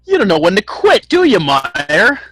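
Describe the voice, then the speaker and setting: Animated, cocky young ski rival played by a man. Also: sits high, normal speed, exaggerated voice. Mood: cocky challenge. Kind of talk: virtual screenplay table read.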